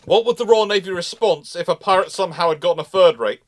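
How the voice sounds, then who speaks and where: A man's voice: sits high, fast talker. A man hosting a live question session, explaining casually and emphatically, often restarting his phrases. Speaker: host answering live audience questions. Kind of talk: casual expert discussion, explanatory.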